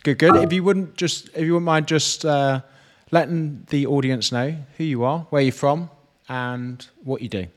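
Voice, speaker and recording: A man's voice: fairly high pitch, a little slow. A man hosting and coaching, giving conversational, explanatory advice with repetition and quoted examples. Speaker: host and fitness business coach.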